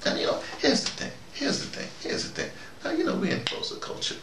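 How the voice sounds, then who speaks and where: An older man delivers a rambling, folksy, preachy monologue, repeating phrases for emphasis. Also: a little fast. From United States. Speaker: vlogger, audio dramatist. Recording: roomy, distant mic, faint background noise.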